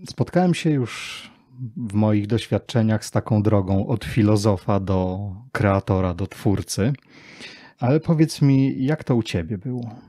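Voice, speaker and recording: Mellow, husky man hosting a podcast. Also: on the low side, lively intonation, measured pace, no room sound, clean studio sound. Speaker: podcast host. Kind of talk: podcast introduction and interview.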